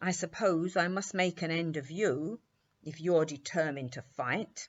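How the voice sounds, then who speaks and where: A woman does a put-on character voice, booming and rumbling, at a fairly low pitch. She keeps a moderate pace. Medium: read story. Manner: grumbling, unwilling.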